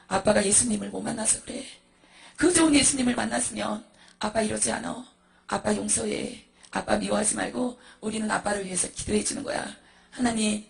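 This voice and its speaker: A woman voicing a beaten young mother who gently tells her children to forgive their father and pray. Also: mid-range voice, vocal fry. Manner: soft, soothing, earnest.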